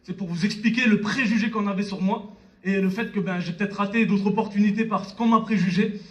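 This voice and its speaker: A man's voice: high voice, fairly even intonation, brisk, dull audio. A man in his early twenties giving a motivational stage talk, addressing the audience directly and often checking in with them. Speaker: motivational speaker at a network marketing conference. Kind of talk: motivational stage speech with personal anecdotes. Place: on stage in a conference hall. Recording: live stage talk, distant from mic.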